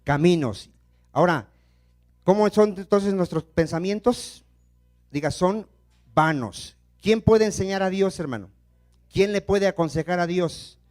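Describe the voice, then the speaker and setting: A male pastor preaching a sermon, asking the congregation questions and letting them finish his sentences, moving between loud emphasis and hushed asides. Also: high voice. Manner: call-and-response questions to the congregation.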